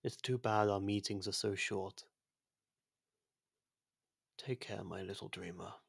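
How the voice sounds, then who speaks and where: A man playing an ancient otherworldly being with a destructive past, speaking formally and gently in an intimate ASMR roleplay, with a soft husky voice. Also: on the low side, steady tone, dry recording, studio quality, heavily acted. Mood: fond, gentle. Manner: measured, formal, gently confiding. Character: ancient genocidal otherworldly being, imprisoned, now courteous and fond.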